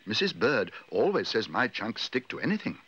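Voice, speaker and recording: A man's voice: on the low side, sing-song, moderate pace, pushed and bright, muffled recording, slight background noise. A man voicing a polite, earnest, hopeful young bear in a children's storybook reading. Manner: courteous, eager, literal-minded.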